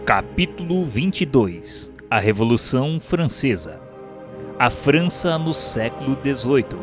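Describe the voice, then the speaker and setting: A man's voice: medium pitch, expressive, a little slow. A man with a Brazilian accent reading scripted narration in a formal, solemn, declamatory manner. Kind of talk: scripted audiobook-style narration of a historical religious text. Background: music.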